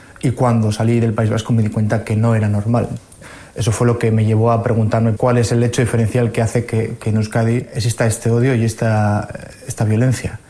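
Over noticeable background noise, a man speaks fairly quickly with monotone, flat intonation, medium pitch and very even loudness. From Basque Country. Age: 40s. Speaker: historian. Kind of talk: interview.

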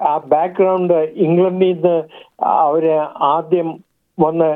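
A man talks at a fairly high pitch. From Kerala, India. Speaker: retired psychiatrist. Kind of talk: interview. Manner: halting, frequent pauses.

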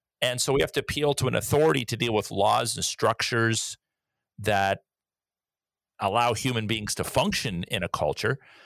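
A man's medium-pitched voice with vocal fry and ordinary pitch variation, at a moderate pace broken by long, frequent pauses, in a dry, close sound with no echo on a very clean recording with a silent background. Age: 40s. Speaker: pastor. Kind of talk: casual chat.

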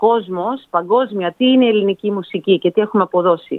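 Her pitch shows ordinary variation. The speaker is a woman. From Sydney, Australia. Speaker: opera singer. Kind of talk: interview. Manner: halting.

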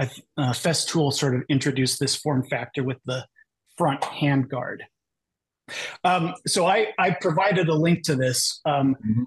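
Somewhat breathy and fairly high-pitched, a man talks at a moderate pace with ordinary pitch variation and long, frequent pauses. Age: 50s. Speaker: digital product strategist and amateur maker. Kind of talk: casual interview chat about tools. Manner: hesitant, many fillers and restarts.

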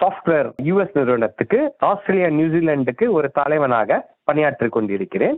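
A man is speaking in a fairly high pitch. His voice moves through very wide pitch swings. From India, Chennai. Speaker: election candidate. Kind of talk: interview.

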